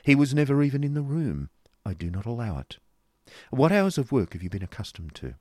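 A man's voice: medium pitch, very animated, brisk, warm tone, no echo, studio quality, voice pushed up. A man voicing a haughty, businesslike married woman with a genteel, reproving manner in a storybook reading. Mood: brisk, firm.

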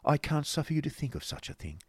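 A man's voice: fairly high pitch, sing-song, fast talker, breathy edge, dry recording, voice pushed up. A man voicing a fussy, genteel Victorian mother who rambles on insistently and agrees with herself. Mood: fussy, protesting.

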